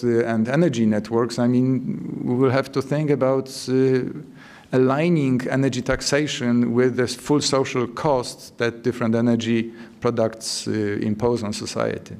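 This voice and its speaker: A man on a policy panel talks in at a middle pitch. He stops and restarts often, repeating small words as he works toward his point. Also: little pitch movement, darkish tone. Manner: halting, repeats words while building an argument.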